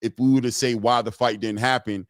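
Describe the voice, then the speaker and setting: A man in his forties hosting a podcast, answering in a measured, hedging way as he thinks aloud. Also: mid-range voice, fairly even intonation, dry recording, studio quality. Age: 40s. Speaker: podcast host. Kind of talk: casual podcast chat.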